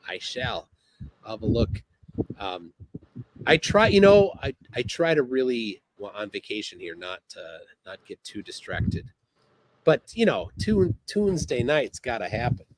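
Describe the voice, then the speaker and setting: A man hosting a casual livestream, reading chat aloud in a halting, laid-back way, speaking outdoors by the water. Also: mid-range voice, very animated, no room sound, low-quality recording. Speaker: livestream host.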